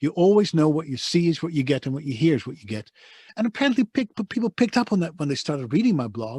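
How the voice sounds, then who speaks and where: A man with a dark, mellow tone and fairly high pitch talks at a very fast pace, his pitch swinging very widely. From Netherlands. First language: Dutch. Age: 50s. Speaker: voice actor and coach. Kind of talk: interview. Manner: direct.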